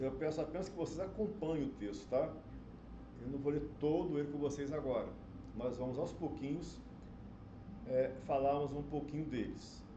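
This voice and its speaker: A man with a fairly high pitch talks at a moderate pace with ordinary pitch variation, long, frequent pauses and audible room echo. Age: 60s. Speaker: pastor. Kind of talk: sermon. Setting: church. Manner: conversational.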